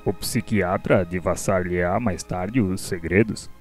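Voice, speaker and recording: An actor playing a wise, generous spiritual mentor in a radio drama, lecturing formally and didactically with a Brazilian accent. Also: male voice, low voice, slow pace, a little mellow, faint music behind. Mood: calm, instructive.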